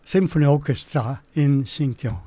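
A man in his eighties with a Korean accent, recalling his childhood in a slow, hesitant way with many pauses and fillers. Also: a little high, mellow, no echo. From Manchuria. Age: 80s. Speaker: interview guest. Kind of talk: oral history interview.

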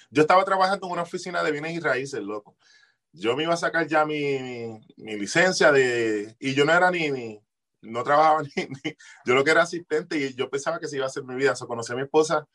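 A man's voice: medium pitch, fairly bright tone. A man from Puerto Rico with a Puerto Rican accent, a musician guest chatting casually, jokey and slangy, dropping in English words. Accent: Puerto Rican Spanish. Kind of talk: casual chat.

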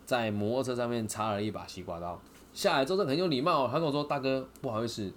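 A man with a Taiwanese Mandarin accent hosting a podcast, telling a story in a lively way and asking listeners rhetorical questions. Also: medium pitch, fast, a little hiss or hum. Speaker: podcast host. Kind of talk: casual storytelling monologue.

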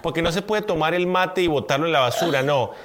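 A man's voice: a little high, brisk, noisy background. A man from Colombia, co-hosting a podcast in casual chat with his wife, earnest and conversational. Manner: earnest, conversational, with filler hesitations. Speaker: podcast co-host.

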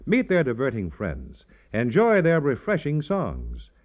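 Dull vintage radio sound, male announcer, lively intonation, polished salesmanlike 1950s promotional read. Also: mid-range voice, unhurried.

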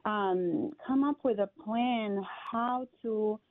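A woman from Serbia, a survivor turned advocate, speaking earnestly in an interview with frequent pauses. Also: mid-range voice, no room sound. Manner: earnest, reflective, with hesitations. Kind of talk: remote interview. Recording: dry tinny call audio.

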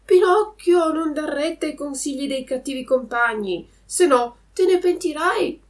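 A woman's voice: high-pitched, a little slow, pitched above the performer's own voice. A woman voicing a small white blackbird who calls out a warning to the puppet. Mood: urgent.

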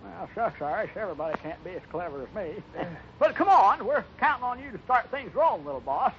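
On a muffled old radio recording, a comic cowboy ranch hand. He is very high-pitched and swoops about, boastful and folksy, full of exclamations. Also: very animated, fairly quick. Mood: eager, boastful. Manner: folksy, exclamatory, chuckling at himself. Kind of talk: 1950s radio drama acting. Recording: dull, faintly noisy 1950s radio recording.

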